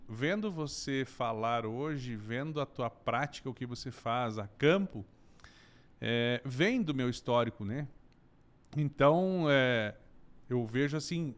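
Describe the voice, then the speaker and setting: A middle-aged man from southern Brazil with a gaúcho accent, a podcast guest telling his story in a relaxed, joking way. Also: medium pitch. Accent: Gaúcho Brazilian Portuguese. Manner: warm storytelling, jokey asides. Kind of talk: casual podcast conversation.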